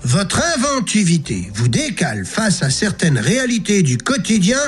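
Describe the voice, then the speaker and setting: A man's voice: high-pitched, huge pitch swings, moderate pace, husky, soft background music. A man on a radio comedy show reading joke horoscopes and mocking public figures, laughing at his own jokes.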